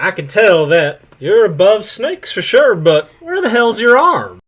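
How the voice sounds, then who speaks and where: This put-on character voice drawls at a moderate pace with a fairly high pitch. Its pitch swings very widely. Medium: actual play. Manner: folksy western drawl, exclamatory.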